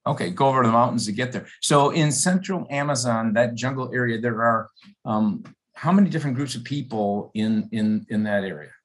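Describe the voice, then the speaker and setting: A man, a pastor, interviewing missionary guests on a church podcast, often restating their answers to make them clear. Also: medium pitch, fairly quick, low-quality recording. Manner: friendly, restates answers to clarify.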